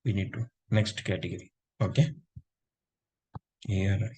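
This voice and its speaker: Guy teaching online class, low husky voice, kinda unwell, keeps asking understand?. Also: fairly even intonation, measured pace, dark tone. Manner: repetitive, checks in with students often. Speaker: instructor.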